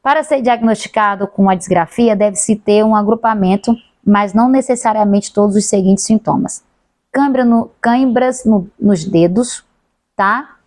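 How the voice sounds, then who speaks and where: A woman teacher with a Brazilian accent giving a class lecture, who talks fast, swallows some words and corrects herself. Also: medium pitch, darkish tone, no echo.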